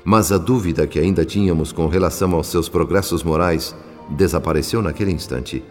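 A Brazilian actor playing a solemn spirit narrator in a radio drama, telling the tale in measured, literary diction. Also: male voice, low voice, darkish tone, lightly acted. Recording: long reverb, music underneath.

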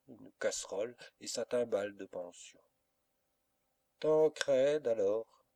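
A man narrating a classic novel as an audiobook, reading in a measured, steady way. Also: on the low side. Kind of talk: scripted literary narration.

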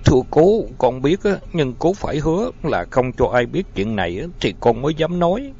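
A man's voice: a little high, big pitch swings, moderate pace, gravelly, warm tone, husky, voice pushed up, exaggerated voice. A man voicing a terrified male butcher shop owner who stammers and pleads through tears. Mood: sobbing, pleading. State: crying. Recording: dull lo-fi audio, faint music.

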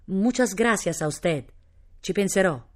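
A woman voicing a gentle but stubborn young baron, polite, hesitant and yet firm, in a storybook reading. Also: medium pitch, lively intonation, measured pace, pitched above the performer's own voice. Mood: hesitant, tender.

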